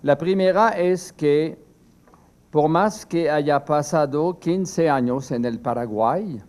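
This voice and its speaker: An older priest whose first language is French, giving a seminar talk from a prepared text, slow and halting with many pauses and restarts. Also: male voice, on the high side, darkish tone.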